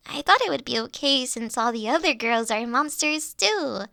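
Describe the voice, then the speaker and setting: A woman's voice: a little high, creaky, pushed and bright, no room sound, studio quality, full character voice. A woman playing a huge, friendly, nerdy young dragon college student in a roleplay audio drama, talking in a bubbly, awkward, hesitant way. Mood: self-conscious.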